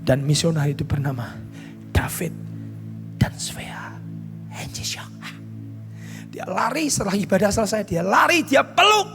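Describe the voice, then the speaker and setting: A man with an Indonesian accent preaching a sermon as pastor, telling a story that swings between hushed lines and shouted climaxes. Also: high-pitched, animated, a little slow, pauses often, music in the background. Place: church stage at a pastors' conference.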